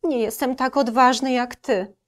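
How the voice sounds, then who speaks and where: A woman's voice: high voice, fairly even intonation, a little slow, pitched above the performer's own voice. A woman voicing a timid, easily frightened male wolf in a children's storybook reading, anxious and hesitant. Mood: fearful.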